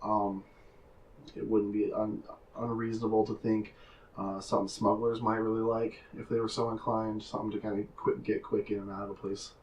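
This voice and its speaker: A man narrates a tabletop game as its game master, feeling his way through descriptions with frequent ums and restarts. His voice sits a little low and is picked up from a distance, with faint background noise. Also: level tone, normal speed, a little mellow. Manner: hesitant, filler-heavy describing.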